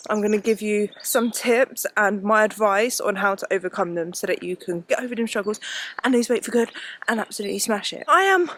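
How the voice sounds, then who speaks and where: A woman's voice: mid-range voice, steady tone, fairly quick, a bit bright, slight background noise. A woman talks to a phone held at arm's length as she walks up a hill outdoors. She chats in a loose, rambling way, packed with fillers, and she is a little out of breath from the climb. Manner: chatty and rambling, many fillers like "like" and "yeah". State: out of breath walking uphill. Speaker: vlogger. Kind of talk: casual chat while walking.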